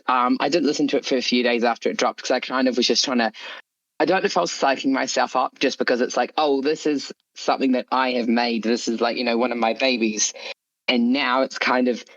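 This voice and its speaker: A man's voice: mid-range voice, fairly quick, a bit bright, no room sound, highs cut off. A man speaking as an author being interviewed, chatting casually in a rambling, hedging way. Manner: rambling, hedging with frequent "you know" and "like". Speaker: interview guest, horror story author.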